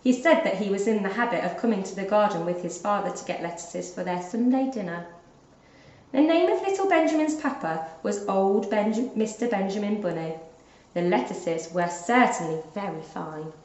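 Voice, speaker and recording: A woman narrating a children's story aloud in an expressive, deliberate storytelling manner, like a teacher. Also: medium pitch. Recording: dull, roomy lo-fi recording.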